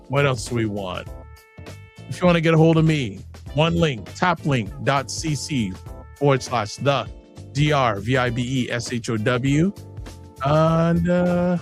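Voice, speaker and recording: A man hosting a live-streamed talk show, chatting casually and animatedly, often cutting himself off and joking. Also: medium pitch. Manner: animated, self-interrupting, jokey. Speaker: host.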